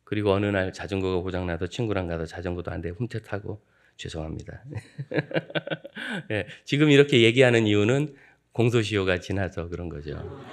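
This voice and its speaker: Gravelly man telling stories from the pulpit. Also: deep voice, moderate pace. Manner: lively, joking anecdotal storytelling. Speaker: guest pastor. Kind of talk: sermon with humorous storytelling. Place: church sanctuary at a dawn service.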